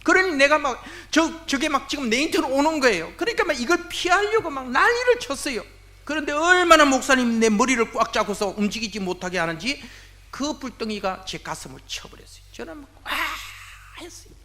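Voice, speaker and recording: A man in his sixties gives a church testimony, telling it with lively swings and acting out the people he quotes. His voice sits high and sounds bright and forceful. He speaks as an elder addressing a congregation. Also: a little fast. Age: 60s. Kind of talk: testimony sermon.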